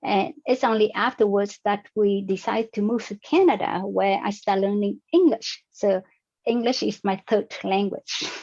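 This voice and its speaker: Slow-spoken woman. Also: medium pitch, fairly even intonation, darkish tone. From Vietnam. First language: Vietnamese. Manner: slow and careful, explaining step by step. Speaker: EFT practitioner. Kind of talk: online workshop presentation. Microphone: video call. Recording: dull lo-fi video call audio.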